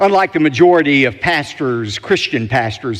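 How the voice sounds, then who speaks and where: A man speaks at a moderate pace in an American accent, with a normal speaking voice. His intonation is lively. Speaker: Baptist pastor and televangelist. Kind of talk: sermon preaching.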